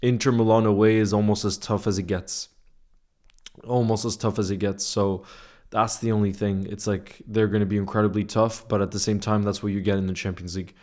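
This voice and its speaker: A man with a fairly low voice hosts a football fan livestream. He talks casually and informally, reads comments from viewers and replies to them directly. He often repeats a phrase to drive it home. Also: level tone, a little fast, a little mellow.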